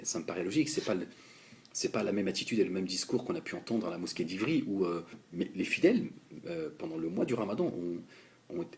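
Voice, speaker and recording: Young man from France, political commentator, talking in a low voice with big swings in pitch, stop-start and repetitive. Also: a little hiss or hum. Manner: animated, halting, repeats words, addresses the politician directly. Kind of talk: heated political monologue.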